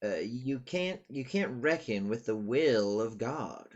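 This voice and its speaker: A kindly, plain-spoken male doctor with a mid-pitched voice that moves up and down freely , played by a man. It sounds like a script being read aloud by an actor. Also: animated, slow pace, lo-fi sound. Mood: calm, reassuring. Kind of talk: virtual table read of a screenplay.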